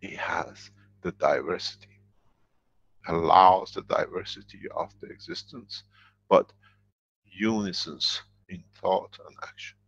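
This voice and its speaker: A man's voice: low-pitched, slow pace, creaky, a bit bright, breathy edge. A man giving a workshop lecture, speaking emphatically and repeating his key phrases. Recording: dull lo-fi recording.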